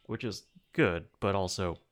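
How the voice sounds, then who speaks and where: A man co-hosting a maker podcast, suffering from allergies, chatting in a relaxed, laid-back way. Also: deep voice, unhurried, a little hiss or hum. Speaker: podcast co-host. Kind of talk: casual chat.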